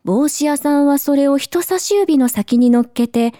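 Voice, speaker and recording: A woman narrating a children's storybook in a gentle, measured way. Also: high voice, dry recording, studio quality. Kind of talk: storybook reading.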